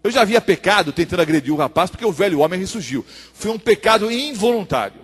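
A man's voice: high-pitched, expressive, fast, fairly bright tone, husky. A male pastor preaching a sermon in a church, telling a testimony and acting out the dialogue, addressing the congregation. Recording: long church hall reverb.

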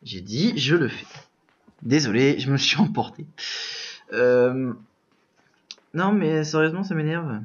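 Lively, excitable man gaming. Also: a little high, a little slow, long pauses, lo-fi sound. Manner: exclamatory, frustrated outbursts at a lagging game. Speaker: let's play gamer. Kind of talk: casual gameplay commentary.

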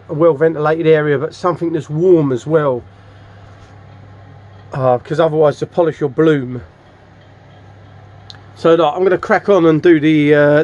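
Higher-voiced man giving a halting workshop tutorial. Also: darkish tone, muffled recording. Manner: halting, thinking aloud while working. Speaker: furniture restorer demonstrating his work. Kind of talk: casual hands-on workshop tutorial. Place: small cluttered indoor workshop.

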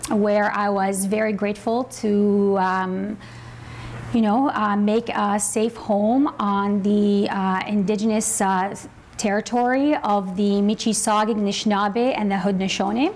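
A woman in her thirties with a medium-pitched voice introduces herself formally. She picks her words carefully and haltingly, with faint noise around her. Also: fairly even intonation, a little mellow. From born in Iraq, raised in Canada from age nine. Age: 30s. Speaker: academic panelist. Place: seated on stage in a conference room.

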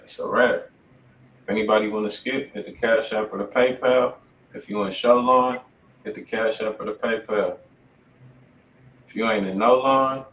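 A man's voice: lowish voice, fairly bright tone. A man co-hosting a live music review stream, talking in casual, slangy style. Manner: slangy, informal. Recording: roomy, distant mic, faint noise.

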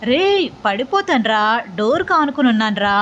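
A woman's voice: a little high, sing-song, normal speed, a bit bright, lo-fi sound, a little hiss or hum. A woman voicing a chatty, playful young man who complains and teases.

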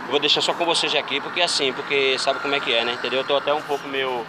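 A man hosting a street prank video, talking quickly and insistently as he presses strangers. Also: medium pitch, fairly even intonation. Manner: insistent, pleading, fast-talking. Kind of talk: street prank, persuasive chatter. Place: outdoors on a city street. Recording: street noise from passing cars. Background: traffic noise.

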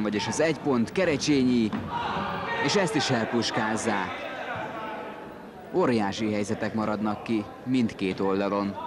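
A man giving live match commentary on indoor football, terse and calling out players' names play by play. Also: fairly low pitch. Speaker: sports commentator. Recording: noisy gym recording, ball bounces behind. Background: indoor sports hall with bouncing ball.

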